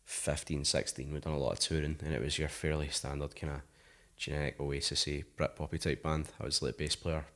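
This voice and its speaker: A man's voice: rumbling low, flat delivery, brisk, few pauses, a bit bright. A Scottish man in his thirties, a musician guest talking casually in an interview, rambling with lots of "like" fillers. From Scotland.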